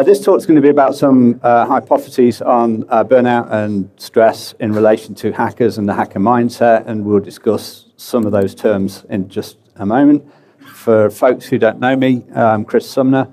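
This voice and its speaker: A British man giving a relaxed, chatty conference talk, full of fillers and self-deprecating asides. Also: mid-range voice. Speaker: conference speaker. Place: conference hall.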